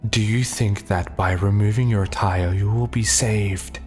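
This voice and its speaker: Man voicing a deep, slow, sinister cult leader. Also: steady tone, darkish tone, soft background music, natural voice. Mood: cold, scornful. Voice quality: deep, haunting. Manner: slow, solemn, archaic, menacing. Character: sinister commanding male cult leader in doe mask.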